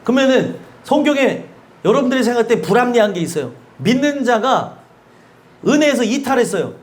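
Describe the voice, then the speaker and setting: A male pastor delivers a sermon in a church. His voice sits unusually high and swings widely in pitch. He keeps asking the congregation questions and laughs between points. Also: very animated, brisk. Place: church sanctuary.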